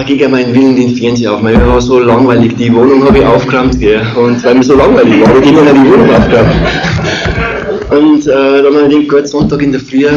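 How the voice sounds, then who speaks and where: A middle-aged man with an Austrian or Bavarian accent tells a personal story informally, in a rambling, halting, colloquial way. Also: medium pitch. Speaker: speaker telling a personal testimony. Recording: muffled, echoey room with clear noise.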